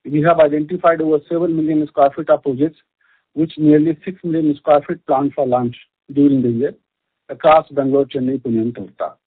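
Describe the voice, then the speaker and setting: A man with an Indian accent reads a scripted corporate earnings presentation as a company executive, formal and measured, over a conference call line. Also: on the high side, steady tone, husky. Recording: muffled band-limited conference call audio.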